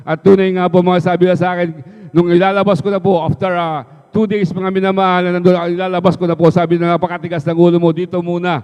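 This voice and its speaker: This Filipino man talks fast in a high, level, slightly mellow voice that's clear and resonant, testifying at a church service. Almost every phrase is followed by "mga minamahal." He's a congregant in a church hall, and the live stream audio is dull with lots of echo.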